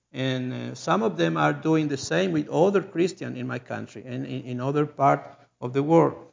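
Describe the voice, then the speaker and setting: A man with a Chilean Spanish accent speaks at a moderate pace. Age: 40s. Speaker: visiting preacher. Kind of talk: church mission report. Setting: church. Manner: halting.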